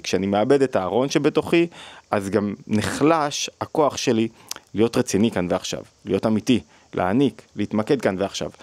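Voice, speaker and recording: A man's voice: fairly low pitch, a little mellow, dry recording. A man giving a thoughtful teaching talk on psychology, often asking questions and restarting sentences. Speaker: psychology lecturer on the weekly Torah portion.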